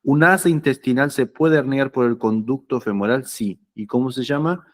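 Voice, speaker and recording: Guy with lecturing on anatomy, mid pitch, keeps asking "right?". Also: normal speed. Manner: conversational, checks understanding often with "¿sí?". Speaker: anatomy teacher. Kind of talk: lecture explaining slides.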